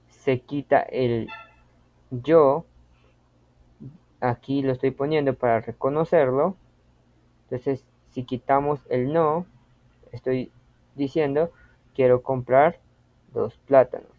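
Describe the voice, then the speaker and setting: A man teaching a language lesson, explaining slowly and patiently and repeating example phrases with care. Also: mid-range voice, steady tone, dry recording. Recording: dry, tinny phone-like audio.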